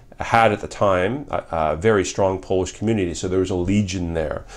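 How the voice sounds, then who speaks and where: The speaker has a Canadian accent and a fairly quick pace. The background is quiet. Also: man. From Canada, Mississauga, Ontario. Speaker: politician. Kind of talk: interview. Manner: halting.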